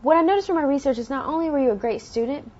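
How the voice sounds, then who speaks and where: A woman interviewing a guest, asking brisk questions and prompting with short acknowledgements. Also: high-pitched, expressive, darkish tone. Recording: dull lo-fi sound.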